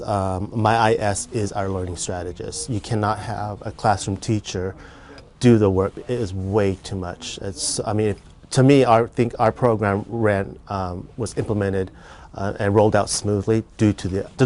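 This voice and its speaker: A man, a school administrator, answering interview questions haltingly with many fillers. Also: on the low side, fairly even intonation, a little mellow, slight background noise.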